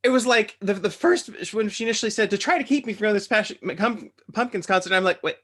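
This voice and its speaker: Woman rambling wryly in a casual chat, very lively pitch, bright sharp voice. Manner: rambling, halting, wry.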